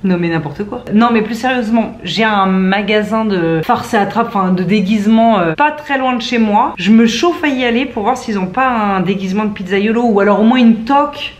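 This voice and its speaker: Speaking in a mid-range voice, quickly and with few pauses, a young vlogger in her twenties chats casually at home to her camera. Her tone is playful, full of self-mockery and teasing.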